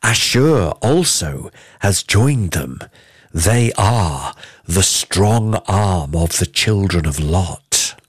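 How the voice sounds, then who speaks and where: Male Bible teacher, very low husky voice, unhurried, earnest podcast delivery. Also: animated, no room sound, studio quality. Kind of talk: reading scripture and explaining it.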